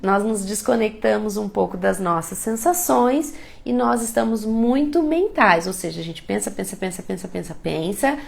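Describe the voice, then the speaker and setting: A woman with a cold and a rough, gravelly voice, teaching chakras in a live online talk and often checking in with her listeners. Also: mid-range voice, moderate pace, hardly any pauses. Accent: Brazilian Portuguese. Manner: explanatory, repeats questions, tag "né?".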